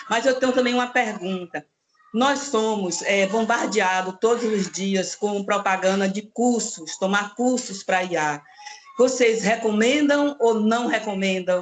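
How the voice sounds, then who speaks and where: This woman has an unremarkable speaking voice with a fairly high pitch. She goes at a fairly slow pace with ordinary pitch variation. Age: 60s. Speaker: participant from social organization. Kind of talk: question in online training session.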